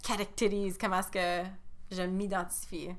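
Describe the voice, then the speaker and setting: Une animatrice de balado et éducatrice parle d'une voix ni grave ni aiguë. Elle garde un ton posé et bienveillant pendant toute la conversation. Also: female voice, medium pitch, flat delivery, moderate pace, heavy background noise. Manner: warm, encouraging, reflective questions. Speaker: podcast host and educator. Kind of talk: podcast interview.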